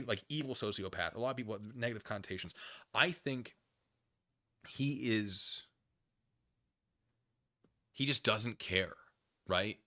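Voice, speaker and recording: A man with a fairly low voice and a bright, forceful edge talks casually as a livestream host. He muses through his opinions in a halting way, rewording and qualifying as he goes, with short emphatic phrases. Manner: musing, halting, often rephrasing and qualifying himself. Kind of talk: casual opinion monologue, answering chat comments.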